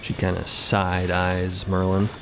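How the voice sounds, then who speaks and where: A man's voice: low-pitched, monotone, slow, background noise. A man narrating a fiction podcast in a wry, conversational storytelling style.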